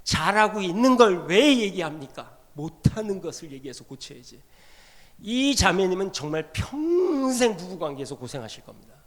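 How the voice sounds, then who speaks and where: A man preaching a revival sermon as a missionary, swinging from loud emphatic exclamations to hushed, tender near-whispers as he speaks in the second person. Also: on the high side. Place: church sanctuary. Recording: long church hall reverb.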